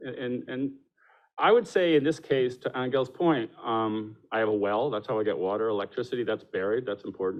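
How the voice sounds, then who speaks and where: A man speaks at a fairly quick pace in a medium pitch, with ordinary pitch variation. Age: 60s. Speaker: resident speaking at public meeting. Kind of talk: public comment at town meeting. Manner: halting.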